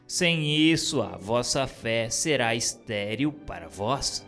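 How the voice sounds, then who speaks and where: A man's voice: mid-range voice, animated, slow, a bit bright, soft background music. A man giving a solemn, formal reading of a spiritist text aloud, with occasional stumbles over the words. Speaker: reader.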